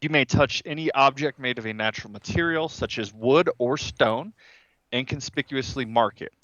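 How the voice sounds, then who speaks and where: A man's voice: medium pitch, normal speed, a bit bright, dry recording, muffled recording. A man chatting casually as a player in a tabletop game.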